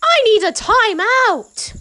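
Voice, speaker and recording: A woman's voice: very high-pitched, big pitch swings, slow pace, sharp tone, full character voice. A woman playing a sincere, troubled and hesitant young princess in an amateur audio drama. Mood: upset.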